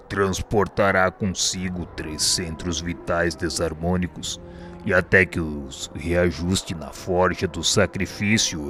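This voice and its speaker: An actor playing a kindly, solemn spirit instructor in a radio drama, giving formal prophetic pronouncements with a Brazilian accent. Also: male voice, deep voice, a bit bright.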